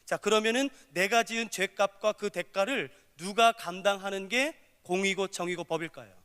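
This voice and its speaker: High bright-voiced male preacher in a hall. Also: normal speed, clean tone. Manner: lively, acts out dialogues with God; asks the congregation questions. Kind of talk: sermon. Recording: long reverb of a hall.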